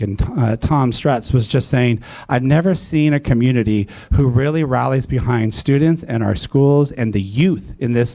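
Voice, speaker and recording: A man's voice: mid-range voice, warm tone. A man, a school district leader, giving a speech into a mic at a live event, full of fillers and restarts. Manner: hesitant with many fillers and restarts. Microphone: handheld or podium mic.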